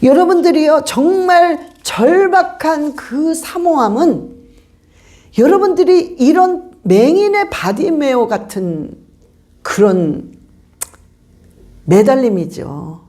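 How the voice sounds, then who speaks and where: Woman pastor, high bright voice with wide swings, presses her points with repeated questions. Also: expressive, slow pace. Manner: emphatic preaching with rhetorical questions. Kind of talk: sermon.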